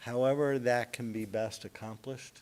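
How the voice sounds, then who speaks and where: This is an unremarkable speaking voice at a moderate pace with ordinary pitch variation. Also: man. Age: 60s. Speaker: resident making public comment. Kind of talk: public comment at council meeting. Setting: village board meeting.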